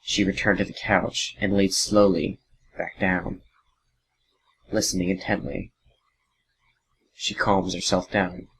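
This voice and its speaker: A man's voice: low-pitched, flat delivery, slow, long pauses, very noisy. A man reading scripted horror narration as the storyteller of an audio drama.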